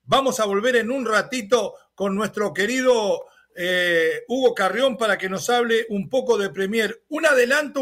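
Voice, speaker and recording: A man's voice: very high voice, sharp tone. A man with a Uruguayan accent hosting casual sports talk on the radio, conversational and familiar with his colleagues.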